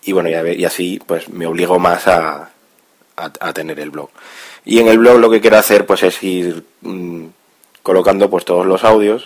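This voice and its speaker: In a very deep, low voice, a man talks at a fairly slow pace with fairly even intonation. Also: big swings in loudness. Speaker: podcaster starting a blog. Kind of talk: casual monologue. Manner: halting, many repetitions.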